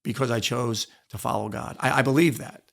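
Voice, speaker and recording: The speaker is a middle-aged American man, an author and former wrestler, recounting his life in a podcast interview. He talks fairly quickly in a steady, medium-pitched voice with vocal fry, earnestly stressing points by repeating phrases.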